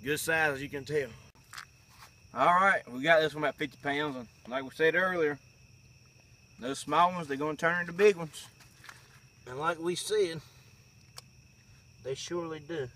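A bright, forceful man talks easy and folksy on a riverbank at night. His voice sits a bit high, caught on a phone camera with faint crickets and outdoor hiss behind him. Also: moderate pace, pauses often, recorded from a distance. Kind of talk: casual outdoor vlog narration. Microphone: phone camera held nearby.

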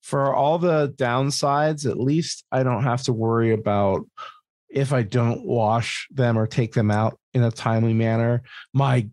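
A man speaks at a middling pitch in a dry, close podcast recording. He chats casually and comically as a co-host. His storytelling is animated and peppered with swearing. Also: measured pace, no echo. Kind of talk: casual comedic chat.

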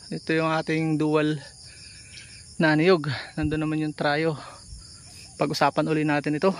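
A man chatting instructively to viewers in a casual farm vlog, recorded outdoors on a handheld phone. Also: on the high side. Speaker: farmer and vlogger. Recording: outdoor recording with clear insect and ambient noise. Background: insects and outdoor ambience.

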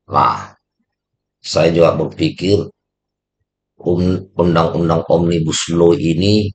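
Middle aged guy, low voice, measured halting commentary into a close studio mic, repeats himself for emphasis. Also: a bit bright. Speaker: YouTube channel host, commentator. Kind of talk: commentary to camera, addressing viewers as friends. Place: small indoor home studio. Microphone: close microphone on boom arm, headphones.

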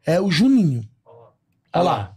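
A man's voice: on the high side, normal speed, over a noisy crowd. A man, a podcast guest telling a story in casual chat, acting out what others said with plenty of slang. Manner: animated storyteller, acts out quoted voices with slang.

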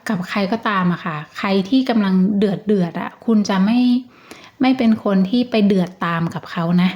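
A woman giving a casual tarot reading, talking in a gentle, chatty and reassuring way. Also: mid-range voice, normal speed, lo-fi sound. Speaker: tarot reader.

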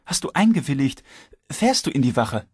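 A man's voice: mid-range voice, big pitch swings, moderate pace, a little mellow, breathy edge, dry recording, studio quality, pitched above the performer's own voice. A man voicing a worried young wife who pleads anxiously and insistently.

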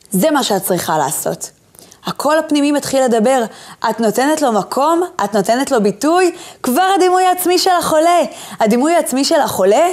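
A woman giving a motivational lecture on self-image. She speaks directly to the viewer and leads her through breathing exercises with gentle instructions. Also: high voice.

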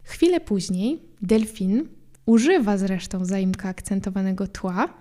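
Mellow-voiced woman teaching a lesson. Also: mid-range voice. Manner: patient, repeats French words slowly for practice. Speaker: French teacher and podcast host. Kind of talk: explanatory language lesson.

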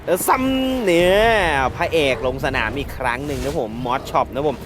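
A man giving excitable, laughter-filled commentary while playing a mobile game, taunting his opponents as he goes. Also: fairly high pitch, normal speed, noisy background. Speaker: gaming channel host.

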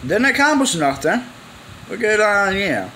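In an indoor garage full of clutter, a young male vlogger rambles through an informal, slangy story, acting out the conversations. His high, sharp voice is very animated though unhurried, with slight background noise.

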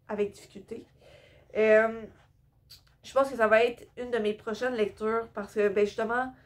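A young woman with a Québécois accent chatting casually about her books in a home vlog, hesitant with many fillers and a bit tired. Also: a little high. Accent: Québécois French. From Quebec. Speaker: book vlogger. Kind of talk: casual book haul vlog. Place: indoor room with bookshelves.

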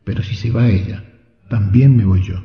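A loyal storybook knight with a low, hushed, solemn delivery, as a male narrator reads him. His voice has a gravelly edge and echoes in a reverberant hall. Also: moderate pace. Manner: calm, solemn, soft-spoken. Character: noble, steadfast young male knight. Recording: echoey, reverberant, slightly dull.

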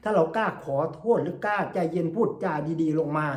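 A woman vlogger talking casually in a chatty, moralizing way, with polite particles at nearly every pause. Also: fairly low pitch, a little mellow. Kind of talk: casual vlog commentary. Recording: roomy echo.

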